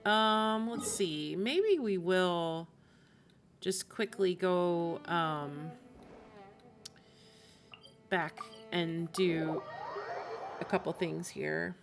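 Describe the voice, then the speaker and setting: Her voice sits on the low side and sounds creaky, and she draws out her words and pauses often. She's streaming a video game, making loose, rambling small talk as she thinks aloud over the game's music.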